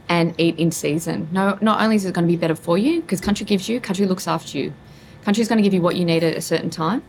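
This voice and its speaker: A woman's voice: fairly low pitch, creaky, slight background noise, rough recording. A woman with an Aboriginal Australian accent speaking earnestly and emphatically in a conversational interview, repeating her key phrases. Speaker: podcast guest, native food chef and business owner.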